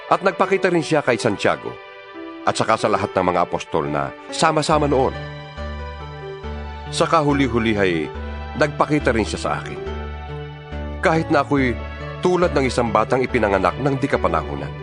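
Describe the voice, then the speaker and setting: Male, Filipino accent, actor as fervent preaching apostle in audio scripture drama; widely swinging intonation, clear music bed. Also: mid-range voice, sing-song. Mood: solemn, earnest, then humble, fervent. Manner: earnest, emphatic, preacherly, deliberate phrasing. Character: impassioned male apostle exhorting his fellow believers by letter.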